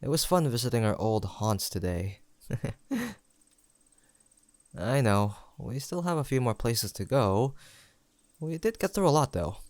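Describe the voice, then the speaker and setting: A young man acting an affectionate, teasing best friend in an intimate audio roleplay, chatting in a gentle, playful and sincere way. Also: mid-range voice, lively intonation, a little slow, pauses often, dry recording, lightly acted. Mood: amused, chatty. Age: young adult.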